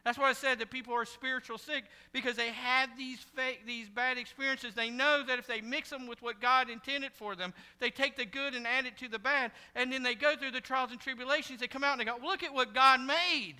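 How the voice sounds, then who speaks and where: Pastor guy preaching, high bright voice, goes from quiet to yelling, long church echo. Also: fairly even intonation, fairly quick, few pauses, clear, resonant tone. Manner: conversational preaching that swings from hushed asides to loud shouted warnings. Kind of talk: sermon. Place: church sanctuary. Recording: church hall with long reverb.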